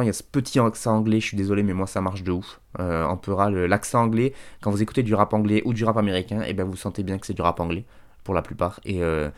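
A man hosts a music radio show in a casual, rambling commentary style. His voice sits on the low side, and he talks with slangy enthusiasm. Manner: loose and rambling.

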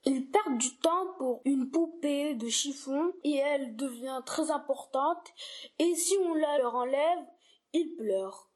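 A small wondering prince musing aloud, read by a woman. The voice is high and soft. The pace is slow and gentle. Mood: wistful.

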